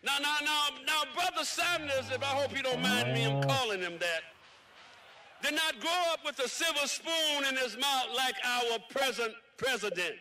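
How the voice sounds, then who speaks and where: A man from South Carolina with a Southern drawl, a pastor and lawmaker giving a rousing outdoor rally speech with a preacher's cadence and repeated, shouted lines. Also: extremely high pitch, lively intonation, normal speed, noisy background. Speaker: pastor and state legislator speaking at a rally. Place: outdoor rally in cold weather.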